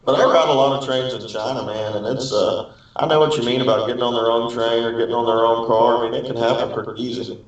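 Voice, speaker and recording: A man's voice: medium pitch, steady tone, fast talker, muffled recording. A man chatting casually and telling anecdotes, recorded in a very echoey room at a distance from the mic. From Alabama, United States. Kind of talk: casual chat, storytelling.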